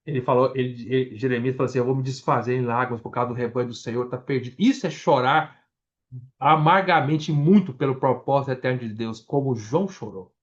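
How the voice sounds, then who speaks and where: A Brazilian man with a Brazilian Portuguese accent delivers a Bible-study sermon, reading scripture verse by verse, restarting words and explaining to the congregation, whom he addresses directly. His voice is medium in pitch and a little fast. The recording is muffled.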